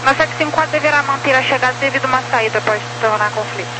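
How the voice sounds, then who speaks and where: A woman's voice: high-pitched, rapid-fire, music in the background. A woman with a Brazilian accent working as an air traffic controller, giving procedural instructions over two-way radio. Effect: aviation two-way radio. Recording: noisy radio channel with hum.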